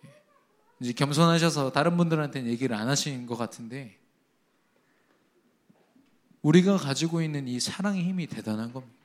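A man preaching a sermon, emphatic, rising to strong exhortations and dropping low again, with quoted dialogue in his stories. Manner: tells a family anecdote with quoted dialogue.

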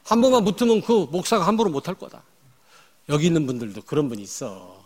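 A male pastor preaching a sermon, emphatic, jumping from loud outbursts to quiet asides. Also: a little high, very animated, fast talker, husky, big-room sound. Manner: acts out angry confrontations in quoted speech. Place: church.

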